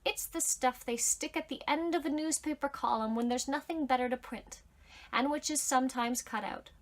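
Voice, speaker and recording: Woman voicing a talking tub, fairy tale, boastful, know-it-all, chattering, high voice. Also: moderate pace, close to an everyday voice.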